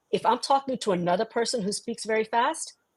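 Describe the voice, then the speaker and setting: This woman has a medium-pitched, somewhat breathy voice and lively intonation. She talks fairly quickly against a quiet background. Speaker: executive coach and communication specialist. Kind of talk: interview.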